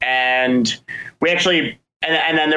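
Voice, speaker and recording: A plain, everyday voice with an American accent, ordinary pitch variation and a fairly slow pace. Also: man. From Maryland, US. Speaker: musician, band guitarist and vocalist. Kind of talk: casual interview chat.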